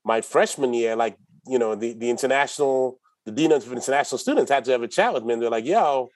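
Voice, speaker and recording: A man's voice: mid-range voice, fast, dry recording. Man telling stories in a dry room. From Ghana. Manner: relaxed storyteller, many restarts and laughs. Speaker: guest, company executive. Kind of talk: casual interview talk.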